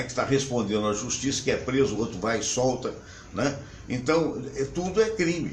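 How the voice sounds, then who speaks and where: A moderate pace with audible room echo. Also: man. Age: 70s. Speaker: radio host. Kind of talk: radio commentary. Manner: conversational, hesitant fillers.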